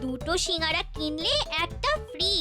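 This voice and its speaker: A woman's voice: very high voice, expressive, moderate pace, loud music behind the voice. A woman voicing an eager, know-it-all child in a comedy cartoon, teasing and explanatory. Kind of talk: animated comedy cartoon acting.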